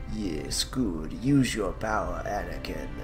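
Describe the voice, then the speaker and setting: A man puts on a character voice at a fairly slow pace. Loud music plays in the background. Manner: evil, seductive.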